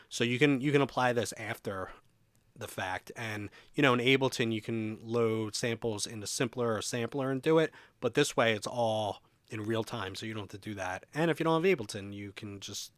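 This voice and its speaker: A man's voice: mid-range voice, no echo. A man presenting a music production tutorial in an informal, conversational way, explaining things step by step.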